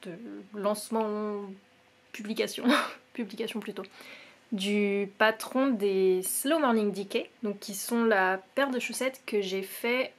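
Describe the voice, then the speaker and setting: A young woman with a French accent talks casually as a knitting vlogger. Her delivery is relaxed and full of fillers, with soft little asides under her breath. Her voice sits at an ordinary middle pitch. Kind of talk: casual chat.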